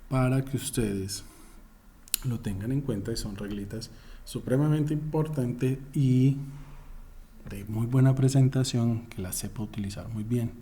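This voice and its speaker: A man's voice: mid-range voice, unhurried, warm tone. A man teaching a Spanish class, explaining spelling rules emphatically and spelling words out letter by letter.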